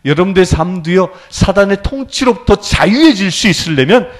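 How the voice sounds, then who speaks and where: A male priest delivers a sermon lecture in a church, speaking in a high voice that rises and falls widely. He is animated and keeps turning to his listeners with quick prompting questions.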